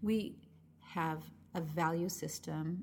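A woman speaks at a fairly low pitch with ordinary pitch variation. Her voice is somewhat breathy. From US, Miami, Cuban-American family. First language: Spanish. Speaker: clinical psychologist. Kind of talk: interview.

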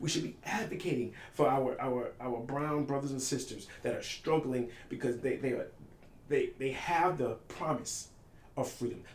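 A somewhat breathy man with an American accent and an animated tone. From US South, Brunswick, Georgia. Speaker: faith podcast host. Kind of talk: sermon-style podcast monologue. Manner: animated, repetitive emphasis.

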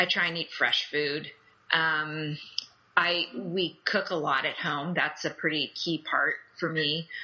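Noticeable background noise sits behind a woman with a very deep, low pitch. She speaks very slowly in a flat monotone. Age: 50s. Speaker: entrepreneur. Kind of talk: interview. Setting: in person, sitting together.

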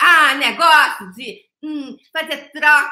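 An animated woman in a Gaúcho Brazilian accent. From Rio Grande do Sul, Brazil. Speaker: energy coach and live-stream host. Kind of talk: live-stream coaching talk.

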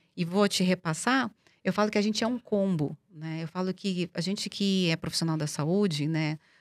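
A woman talks at a moderate pace with an ordinary speaking voice, medium pitch and ordinary pitch variation. The sound is dry and close with no echo, and the recording is very clean with a silent background. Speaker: clinical psychologist. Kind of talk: interview.

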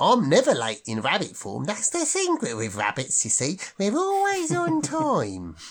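Someone speaks in a put-on character voice at a moderate pace with hardly any pauses. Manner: playful, joking.

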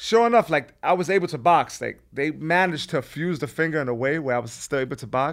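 In a very clean recording with a silent background, a man with a New York accent talks at a very fast pace, his fairly high voice full of lively intonation. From New York City, Lower East Side. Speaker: boxing trainer and stand-up comic. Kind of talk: interview.

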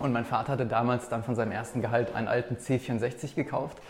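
This is a man with a normal speaking voice and a medium pitch. He talks at a fairly quick pace with fairly even intonation. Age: 30s. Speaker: public relations officer at a foreign ministry. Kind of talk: interview. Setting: museum cloakroom area.

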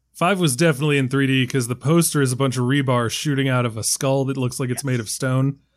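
In a very clean recording with a silent background, a man speaks in an ordinary speaking voice at medium pitch, fairly quickly and with fairly even intonation. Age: 30s. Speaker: film podcast host. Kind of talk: casual chat.

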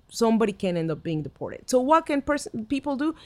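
A woman talks with a Spanish accent, her pitch swinging very widely. The sound is dry and close, with no echo. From Mexico City, later Texas. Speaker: city immigration official, lawyer. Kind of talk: interview. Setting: studio.

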